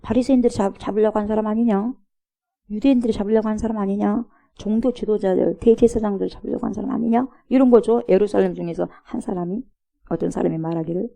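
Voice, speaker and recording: A woman's voice: medium pitch, fairly even intonation, quick pace, vocal fry, mellow. A woman pastor preaching a morning sermon in a church, talking conversationally, asking rhetorical questions and acting out what the crowd said.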